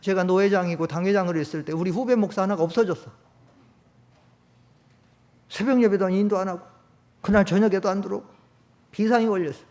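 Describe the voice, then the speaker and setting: Older male pastor preaching with high pitch. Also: fairly even intonation, fairly quick, long pauses. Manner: conversational preaching, rising to loud emphatic peaks, drops low for stories. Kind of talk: sermon. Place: church sanctuary.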